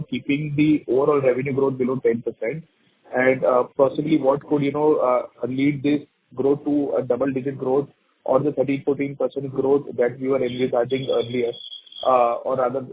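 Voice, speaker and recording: Husky man on a narrow phone line. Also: medium pitch, dry recording. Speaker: financial analyst asking questions. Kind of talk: earnings call questioning. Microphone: phone call.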